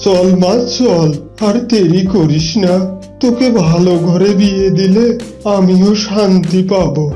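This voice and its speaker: A man voicing a gentle, persuasive father of a grown daughter in a cartoon. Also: high-pitched, soft background music. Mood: persuading. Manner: coaxing, unhurried. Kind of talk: cartoon character voice.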